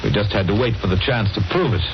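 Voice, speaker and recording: An actor playing a brisk, no-nonsense, commanding schemer in an old-time radio mystery. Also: male voice, on the low side, lightly acted. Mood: cool authority. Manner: urgent, firm, no-nonsense. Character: brisk, commanding male schemer posing as anxious ally. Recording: muffled old radio broadcast, loud music.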